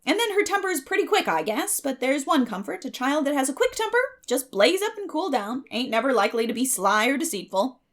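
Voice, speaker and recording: A woman voicing a blunt, opinionated middle-aged country matron, brisk, emphatic and folksy, in a dramatic audiobook reading. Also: sits high, sing-song, a bit bright, pitched above the performer's own voice. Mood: frank, approving.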